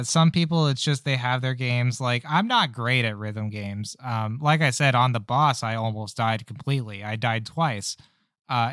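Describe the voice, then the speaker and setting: A man co-hosting a podcast, chatting casually about game demos in a relaxed, rambling way with plenty of fillers. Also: mid-range voice, clean tone, no room sound, studio quality. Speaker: podcast co-host.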